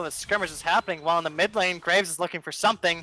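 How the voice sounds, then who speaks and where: Someone with an American accent speaks very fast in a bright, sharp tone, the sound dry and close with no echo. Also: man. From Michigan, US. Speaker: esports caster. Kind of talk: live commentary. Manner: animated.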